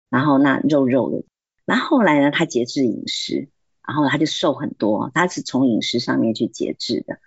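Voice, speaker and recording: A woman's voice: very deep voice, husky, no echo, muffled recording. A woman giving earnest, encouraging Christian advice on marriage and self-control, acting out quoted remarks. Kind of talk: faith-based advice talk.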